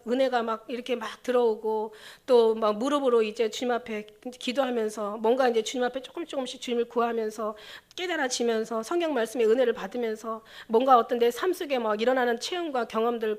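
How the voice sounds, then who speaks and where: A woman pastor preaching a sermon in an emotional, halting way, with many restarts. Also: on the high side.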